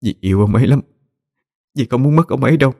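A man's voice: mid-range voice, expressive, fast, mellow, voice pushed up. A man voicing a scheming older aunt who scolds and threatens her niece. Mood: scolding. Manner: scolding, harsh, wheedling.

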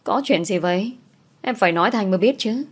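A woman's voice: mid-range voice, quick pace, breathy edge, natural voice. A woman voicing a male boss and husband who speaks coolly and teasingly to his crying wife in an audio story. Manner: cold, then teasing.

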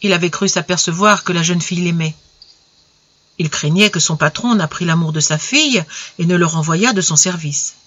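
A narrator reading an old story aloud in a measured, expressive way. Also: mid-range voice, dull audio.

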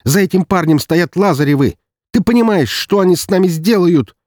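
A man voicing a young man's furious, exasperated older brother who yells down a phone in an audiobook. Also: on the high side, huge pitch swings, brisk, dry recording, studio quality, voice pushed up. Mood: furious shouting. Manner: yelling, exasperated.

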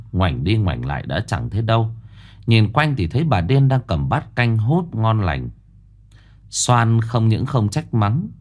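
A man narrating a ghost story in an expressive storytelling manner. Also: fairly low pitch.

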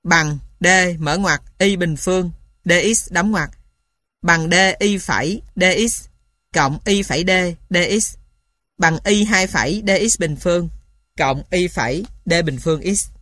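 A woman's voice: fairly low pitch, measured pace, fairly bright tone, no echo, clean studio sound. A woman reading a textbook aloud in a dictating manner, spelling out each item piece by piece as scripted narration. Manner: dictating, spelling out formulas and punctuation symbol by symbol. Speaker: reader of a mathematics textbook.

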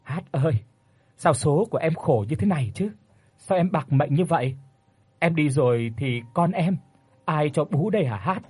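A desperate middle-aged village woman cries out in urgent, pleading bursts, put on by a man in a storybook reading. The voice rides higher than his own and stays husky. The sound is dry and close. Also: lively intonation, moderate pace, a little mellow, no room sound. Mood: grieving.

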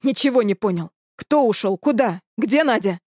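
A woman voicing a decisive young man who talks briskly and takes charge. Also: fairly high pitch, lively intonation, darkish tone, no echo, clean studio sound.

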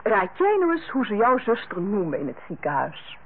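An actress playing a genteel, kindly and teasing lady of the house, gently patient, in a radio drama. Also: mid-range voice, wildly swooping pitch, moderate pace. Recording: narrow, noisy old radio recording.

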